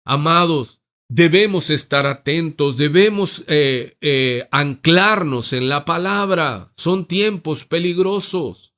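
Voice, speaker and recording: Pastor guy preaching a sermon real slow, bright voice, kinda high for a man. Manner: slow deliberate preaching, reads scripture aloud. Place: church sanctuary.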